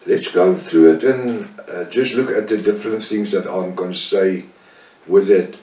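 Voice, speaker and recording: An older man from South Africa with an Afrikaans-tinged accent, leading a Bible study with slow, deliberate delivery, pausing on fillers and correcting himself. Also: deep voice, dark tone, roomy sound, distant mic. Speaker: Bible teacher.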